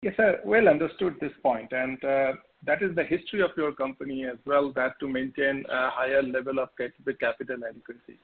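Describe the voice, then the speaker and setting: A man's voice: medium pitch, steady tone, fairly quick, hardly any pauses. Man calling in, tinny phone line. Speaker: investor caller asking questions. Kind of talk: question on an earnings call. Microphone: telephone call.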